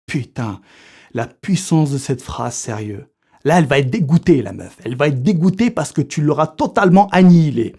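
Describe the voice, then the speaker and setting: In one unbroken, unscripted take, a man offers slangy, mock-serious seduction advice directly to the viewer, addressing him as buddy and checking notes as he goes. His voice is fairly high, husky and darkish, with lively intonation at a moderate pace.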